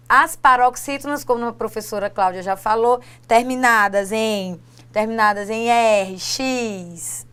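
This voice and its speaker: Higher-voiced woman teacher with tag questions. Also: a bit bright, smooth. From Brazil. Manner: explanatory, frequent tag questions. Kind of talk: classroom lesson dialogue.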